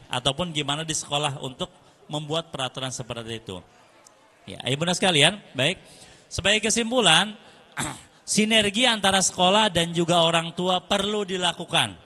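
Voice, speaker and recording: Man, bright forceful tone, somewhat high voice, lively storytelling preacher. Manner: lively storytelling, repeats phrases for emphasis. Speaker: Islamic teacher and preacher. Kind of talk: lecture to parents.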